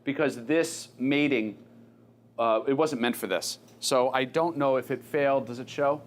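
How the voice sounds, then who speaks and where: An American man teaching an engineering class informally, asking students quick questions and repeating their answers. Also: medium pitch, slight background noise.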